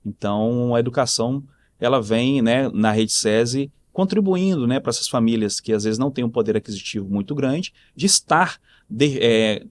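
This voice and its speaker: Brazilian guy, mid-pitched, slight mixed regional accent, explaining stuff in an interview, keeps tagging sentences for agreement. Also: moderate pace. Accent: Brazilian, faint mixed regional. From southern Brazil. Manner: explanatory, frequently seeks agreement with short tags. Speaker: school director, interview guest.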